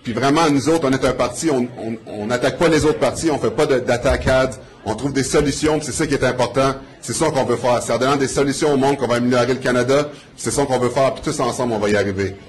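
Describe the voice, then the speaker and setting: A man with a Quebec French accent addresses a political rally at a rapid clip. He is informal and earnest, repeating himself in colloquial turns of phrase as he works up to an introduction. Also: mid-range voice. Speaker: political party speaker introducing the leader.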